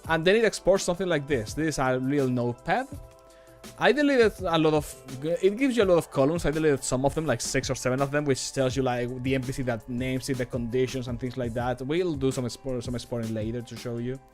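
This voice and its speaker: A man's voice: mid-range voice, quick pace, faint music behind. A man in his thirties chatting casually on a livestream in a rambling, self-deprecating way. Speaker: streamer and game modder. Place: small home room, indoors.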